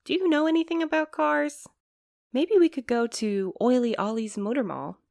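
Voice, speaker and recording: Wry mail courier, close dry sound. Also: female voice, high voice, moderate pace, vocal fry, darkish tone, dry recording. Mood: affectionate, chatty. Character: wry, put-upon young woman mail courier. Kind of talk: audio drama acting.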